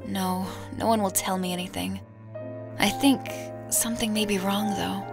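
A woman's voice: mid-range voice, steady tone, moderate pace, creaky, over music, close to an everyday voice. An actress playing a troubled, wistful young female student in an audio drama, earnest and hesitant. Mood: uneasy. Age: young adult.

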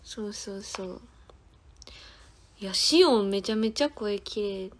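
A woman's voice: medium pitch, measured pace. A woman in her twenties with a Kansai accent, chatting casually on a phone livestream, giggling and answering viewers' comments one by one. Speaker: idol singer hosting a livestream.

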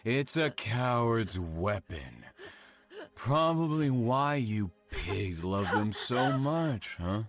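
A man's voice: mid-range voice, sing-song, takes it slowly, soft background music. An actor playing a sadistic male serial killer who taunts his victims and flies into rages. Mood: cold taunting. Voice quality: menacing, taunting, explosive in rage. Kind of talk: audio drama acting.

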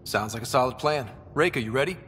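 A man's voice: medium pitch, fast, fairly bright tone, a little hiss or hum, close to an everyday voice. An actor playing a resolute young man who leads a space exploration team in a video game, casual and confident. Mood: determined.

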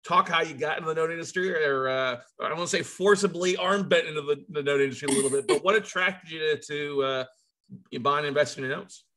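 A man's voice: on the high side, brisk, pushed and bright. An American man in his forties hosting a video-call session in a casual, effusive, rambling and jokey way. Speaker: host of an online conference. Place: indoors, video call with virtual background.

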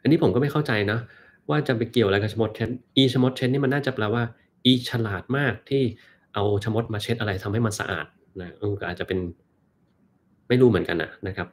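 A man casually answering viewer questions on a live stream, relaxed and joking. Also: fairly low pitch, quick pace. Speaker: host answering live chat.

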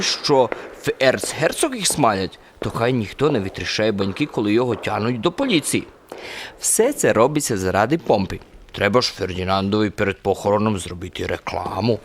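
An actor playing a garrulous, cheerful simple soldier who rambles through folksy anecdotes in a radio drama. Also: male voice, mid-range voice, slight background noise. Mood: chatty, unbothered. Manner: folksy, chatty, rambling storytelling.

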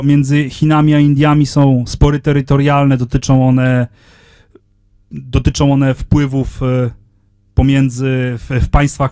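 A man in his thirties giving a conference lecture into a handheld microphone, speaking in a measured way with frequent hesitations. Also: mid-range voice, darkish tone, no room sound, clean studio sound. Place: lecture room, indoors.

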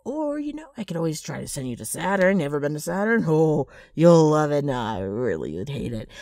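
A woman acts out a brash ghoul woman in an ASMR roleplay, rough and dark-toned. Her pitch swings widely as she wheedles and needles with sardonic mischief. The sound is very dry and close. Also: very animated, a little fast, dry recording. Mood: wheedling, sardonic. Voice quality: rough, gravelly.

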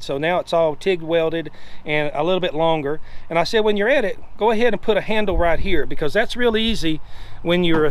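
A man's voice: sits high, a little hiss or hum. A middle-aged man casually showing off his gear outdoors by a pickup truck, talking in a folksy, rambling way with lots of "uh" and restarts. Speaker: treasure hunting video host. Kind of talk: casual show-and-tell demonstration.

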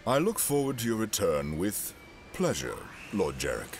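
A man playing a guarded, cold imperial governor in a sci-fi audio drama, speaking formally and in measured words. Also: fairly low pitch, wildly swooping pitch, over music. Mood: polite, guarded.

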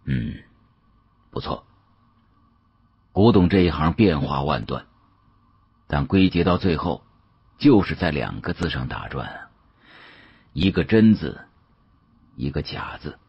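Male narrator as older official, audiobook drama, bottomless low pitch, husky, solemn, cryptic, unhurried. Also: big pitch swings, no room sound, lo-fi sound, full character voice. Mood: grave, probing. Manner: slow, weighty, lecturing.

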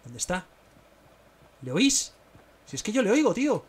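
Young male gamer with a Spain Spanish accent, voice somewhat high, live commentary, excitable, bursts into exclamations. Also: normal speed, noisy background. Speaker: gaming streamer.

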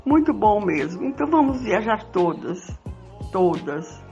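A woman's voice: medium pitch, big pitch swings, a little slow, darkish tone. An older Brazilian woman playing a devoted, romantic, jealous sweetheart in an amateur radio drama. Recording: dull lo-fi audio with music.

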